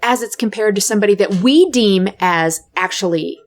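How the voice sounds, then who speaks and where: A woman's voice: mid-range voice, moderate pace. A woman co-hosting a podcast, speaking reflectively and hedging her points, often restarting with "I mean". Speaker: podcast co-host. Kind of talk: casual podcast conversation.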